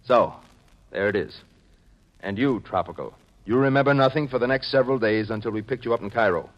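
An actor in a 1950s radio drama playing a gruff, impatient police chief with a curt, commanding manner, on an old recording. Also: male voice, lowish voice, a little fast, highs cut off, natural voice. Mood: stern.

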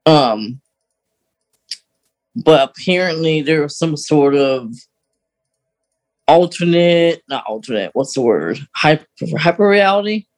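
Higher-voiced man chatting casually. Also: animated, slow, long pauses. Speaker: podcast co-host. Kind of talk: casual podcast chat about fandom news.

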